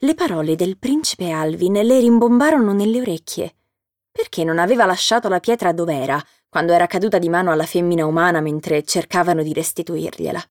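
A woman's voice: on the low side, fairly quick, a little mellow, no echo. Woman reading a children's story, dry sound. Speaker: narrator. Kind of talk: scripted storybook narration.

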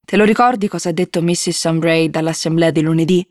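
A woman's voice: fairly even intonation, fast, darkish tone, dry recording, clean studio sound, lightly acted. A woman voicing a tired, guarded teenage girl, a school prefect who speaks in a weary, clipped way. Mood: curt. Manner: weary, clipped, low-key.

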